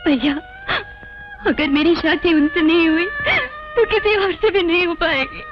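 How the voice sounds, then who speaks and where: A young woman who pleads with her brother and defies him over whom she will marry. Her voice is very high, heard on a dull old film soundtrack with loud music behind it. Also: unhurried. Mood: pleading. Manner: pleading, defiant, tearful. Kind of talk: 1980s film drama acting.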